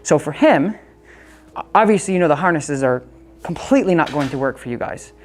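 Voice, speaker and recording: Woman, deep voice, dog trainer, casual coaching, chatty with fillers, quick upbeat commands to the dog. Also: lively intonation, faint music behind. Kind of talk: hands-on coaching of dog owners.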